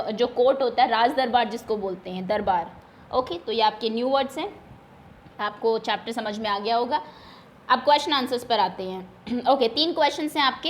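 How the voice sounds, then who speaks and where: A woman teacher explains a children's lesson step by step. She reads lines slowly and then explains them in Hindi. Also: high voice, a little hiss or hum. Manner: patient, step-by-step, addresses young pupils directly. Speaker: school teacher.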